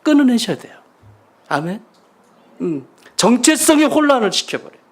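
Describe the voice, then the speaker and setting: A man's voice: very high voice, very animated, normal speed. A man preaching a sermon as pastor, emphatic and leading his congregation in call-and-response. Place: church sanctuary.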